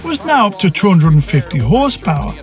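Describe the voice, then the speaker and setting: A middle-aged male host with a high, very animated voice narrates and chats in a playful, chatty way. Faint music sits behind him. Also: a little fast. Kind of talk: narration then casual interview.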